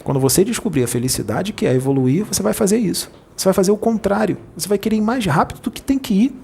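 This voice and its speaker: A man with a Brazilian Portuguese accent, a spirit medium preaching informally in a playful, jokey way that rushes over his words. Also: sits high, animated, vocal fry, a little mellow, slight background noise.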